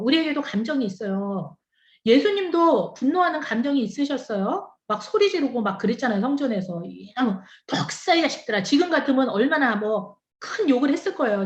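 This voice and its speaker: A woman professor giving a conversational conference lecture to church teachers. She asks the audience rhetorical questions. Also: fairly high pitch. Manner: animated, acts out parent and teen dialogues. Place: large lecture hall. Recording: echoey hall, slightly dull sound.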